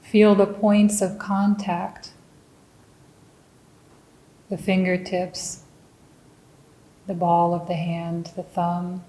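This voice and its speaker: A woman leading a guided meditation as a teacher, speaking gently and deliberately in short phrases with long pauses. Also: fairly low pitch, completely flat delivery, roomy sound, rough recording.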